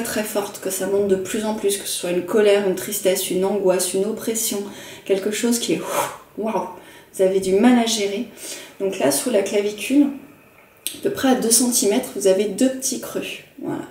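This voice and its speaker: Soft-voiced woman guiding tapping exercises. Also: mid-range voice, fairly even intonation, normal speed. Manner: gentle, repetitive, demonstrating tapping phrases. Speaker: EFT practitioner. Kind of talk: calm instructional talk. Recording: roomy sound from a distant mic with faint noise.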